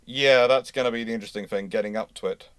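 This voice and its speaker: A man leads an informal live discussion in a medium-pitched voice. He rambles, repeating and rephrasing as he thinks aloud. The sound is dry, with little room around it. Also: steady tone, fast, clear, resonant tone, dry recording. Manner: rambling, repeats and reworks phrases. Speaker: host of a live naval history Q&A. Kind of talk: unscripted discussion, reading out viewer questions.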